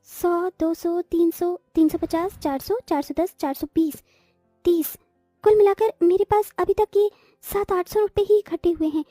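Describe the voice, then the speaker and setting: Poor cartoon village girl, squeaky high, mellow, earnest. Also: steady tone, a little slow, dry recording, clean studio sound, faint music behind. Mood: worried. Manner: earnest, pleading. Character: poor clever teenage village daughter. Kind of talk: cartoon voice acting.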